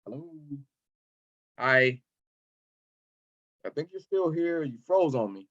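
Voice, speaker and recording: A man's voice: on the high side, expressive, takes it slowly, fairly bright tone. A man hosting a podcast interview, chatty and proud of his home town. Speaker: podcast host. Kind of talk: casual interview chat. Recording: slightly dull lo-fi audio.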